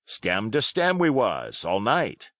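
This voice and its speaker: A beaming, wheedling old one-legged pirate cook, as a man puts him on, loud and bouncy in his seafaring talk. His voice swings up and down with cheer, and the sound is close and dry. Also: on the low side, huge pitch swings, slow pace, dry recording, full character voice. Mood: sly cheerful.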